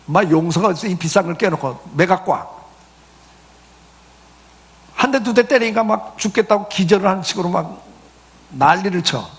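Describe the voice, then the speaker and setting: A man's voice: high voice, lively intonation, moderate pace, long pauses. A middle-aged male pastor giving a conversational sermon, full of rhetorical questions and acted-out quotes.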